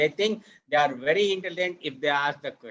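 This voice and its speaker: A man speaks in an Indian accent at a moderate pace. His tone is bright and sharp, with ordinary pitch variation. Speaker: yoga teacher. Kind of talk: interview answer.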